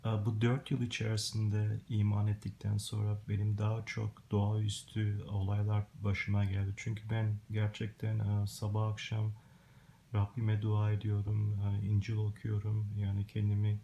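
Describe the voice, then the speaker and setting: Low monotone man, halting broken Turkish. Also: gravelly. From Germany, born and raised. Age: middle-aged. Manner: halting, broken Turkish of a long-time emigrant, searching for words. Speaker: Christian testimony video maker. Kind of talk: personal religious testimony to camera. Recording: hissy home recording with clicks.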